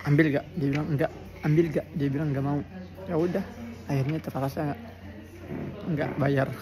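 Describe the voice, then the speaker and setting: A man's voice: a little high, fairly even intonation, a little fast. A tired man from Indonesia chatting earnestly in a casual vlog, reporting from a border crossing. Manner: chatty and earnest, with soft laughs. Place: outdoors at a crowded border crossing, then a cafe. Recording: crowd noise behind. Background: crowd chatter.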